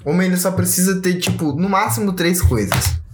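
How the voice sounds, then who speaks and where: A man with a Brazilian accent, chatting casually as a podcast co-host, slangy and animated, often mimicking voices for a joke. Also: sits high, fairly quick, noisy background.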